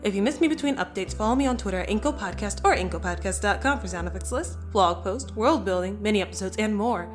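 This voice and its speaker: A woman's voice: medium pitch, animated, fast talker, few pauses, faint music behind. A woman reading a scripted podcast outro as the show's creator.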